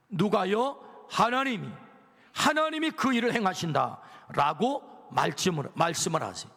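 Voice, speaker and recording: A man's voice: high voice, vocal fry, a bit bright. A male pastor preaching an emphatic sermon, repeating phrases and calling on the congregation to respond. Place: church sanctuary. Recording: long church hall reverb.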